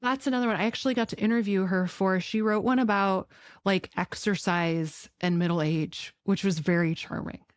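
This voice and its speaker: A woman's voice: mid-range voice, fairly even intonation, moderate pace, no echo, studio quality. A woman hosting a podcast in a casual, conversational interview style, peppering her talk with "like". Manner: conversational, frequent "like". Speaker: podcast host.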